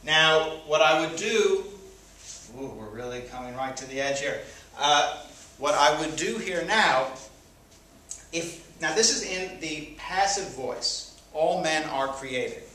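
Taking it slowly in an animated, pushed and bright voice of fairly high pitch, a man teaches sentence diagramming at a board, thinking out loud full of fillers. He's a grammar teacher recorded in an echoey room from a distant mic.

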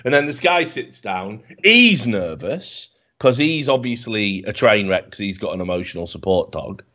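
A man, swearing freely and telling a story loudly in a casual chat, on a headset mic. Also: on the low side, normal speed, muffled recording. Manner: profane, animated storytelling, gets loud when worked up. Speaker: podcast host. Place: home room, indoors. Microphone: headset with desk mic.

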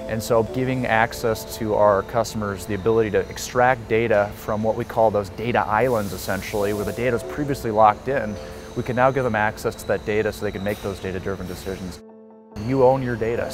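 A man with a slightly low voice answers interview questions in a calm, confident way. He is recorded in a factory, with music running beneath his words. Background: background music.

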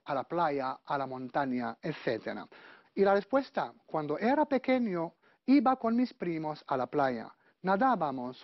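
A woman teaching a Spanish grammar lesson, going slowly through verb conjugations and checking in with her students. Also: medium pitch, no echo, muffled recording. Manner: slow, deliberate conjugation drills, checking with "¿vale?".

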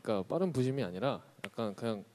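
A man's voice: medium pitch, lively intonation, quick pace, warm tone. A man in his twenties, an idol guest, explaining earnestly and hesitantly in casual talk on a stage with a handheld mic. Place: large concert hall stage.

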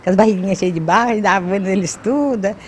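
A woman's voice: medium pitch, fast, a little hiss or hum. Elderly Brazilian woman, homely and colloquial. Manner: homely, colloquial, frequent tag questions. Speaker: interviewee. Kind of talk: casual reminiscing in an interview. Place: at home, by a house wall. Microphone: handheld interview microphone.

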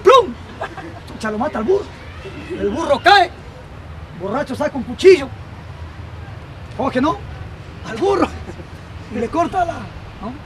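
A man's voice: very high voice, sing-song. A man telling crude jokes in the street, often checking in with the crowd. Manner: rapid, crude, asks crowd for approval. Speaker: street comedian. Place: outdoor street. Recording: loud outdoor street crowd and traffic.

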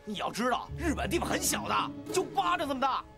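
A fiery young patriot in a period TV drama, earnest and quick to take offence. He talks fast in a very high voice, with music underneath. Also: very animated, vocal fry, heavily acted. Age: young adult. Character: young hot-headed patriotic lad Changshun. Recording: drama soundtrack with music behind.

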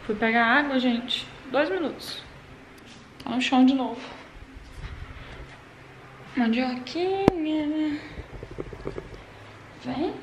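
A woman vlogging casually to her viewers from a bedroom at night, talking in a chatty way that often drops to a hushed murmur. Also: high-pitched, moderate pace, roomy sound, background noise. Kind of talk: casual vlog chat to viewers.

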